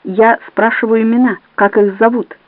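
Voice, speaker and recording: A woman reading an audiobook plays a male intelligence agent who questions coldly and curtly in her own steady voice. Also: a little high, normal speed, no room sound, voice pushed up, close to an everyday voice. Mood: cold interrogation. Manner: cold, curt and demanding. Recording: dry, tinny phone-like audio.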